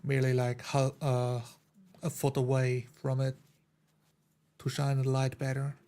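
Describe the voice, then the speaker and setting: A man's voice: medium pitch, monotone, unhurried, dark tone, clear, resonant tone. A man speaking as a player in a tabletop roleplay game. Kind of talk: roleplay, describing character actions.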